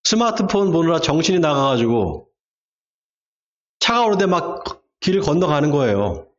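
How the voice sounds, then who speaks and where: A male pastor preaching a sermon who acts out shouted quotes in sudden bursts. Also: on the high side, big pitch swings, moderate pace, muffled recording. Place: church sanctuary.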